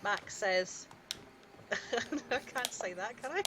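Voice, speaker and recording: A woman's voice: medium pitch, takes it slowly, noisy background. A woman with an Edinburgh Scottish accent, reading viewers' chat comments aloud on a casual live stream with frequent giggles.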